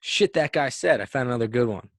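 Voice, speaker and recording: A man's voice: medium pitch, lively intonation, fast, no room sound, clean studio sound. A man hosting a casual podcast, joking around and swearing as he rambles. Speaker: podcast host.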